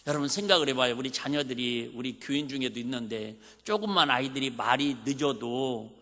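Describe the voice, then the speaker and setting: A man's voice: mid-range voice, brisk, sharp tone. A man in his fifties with a Jeolla accent, preaching a folksy, conversational sermon full of rhetorical questions. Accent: Jeolla Korean. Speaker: pastor. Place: church sanctuary. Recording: reverberant church hall.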